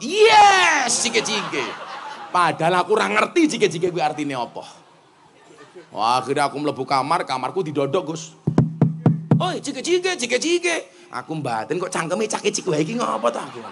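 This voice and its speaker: A man with a Javanese accent preaching to a live audience, telling jokes and acting out stories as he switches between Javanese and Indonesian. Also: a little high. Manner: mixes Javanese and Indonesian, jokes and animated storytelling. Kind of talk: comic Islamic sermon.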